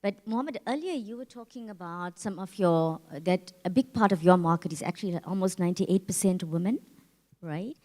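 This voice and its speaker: A woman moderating a conference panel, framing questions in a measured way with many fillers. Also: lowish voice, expressive, darkish tone. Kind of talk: panel discussion. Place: conference hall. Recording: reverberant conference hall.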